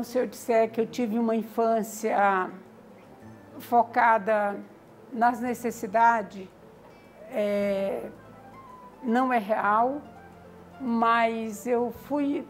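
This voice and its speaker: In a personal life story interview, an older community founder from Maranhão, Brazil, tells her own story in a slightly high voice. She is reflective and keeps tagging her sentences with "né?" and "tá entendendo?".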